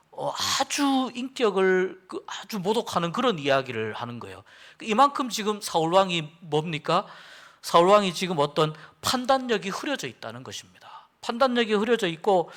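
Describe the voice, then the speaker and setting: Lively storytelling man preaching. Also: sits high. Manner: storytelling, explains by retelling and paraphrasing. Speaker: pastor. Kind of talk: midweek Bible-study sermon. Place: church worship service.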